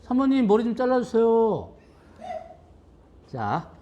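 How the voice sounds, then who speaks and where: A man's voice: very high-pitched, big pitch swings, slow, warm tone, highs cut off. A middle-aged male pastor leading a children's worship service, playful and cheerful, calling out names and counting aloud. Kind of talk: lively children's worship greeting. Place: church sanctuary.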